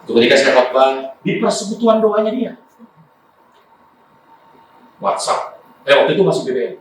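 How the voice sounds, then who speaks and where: Lively pastor preaching in an echoey church. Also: male voice, on the high side, moderate pace, slight background noise. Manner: lively preacher, often addresses the congregation. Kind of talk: sermon with personal stories. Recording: echoey church hall from far off.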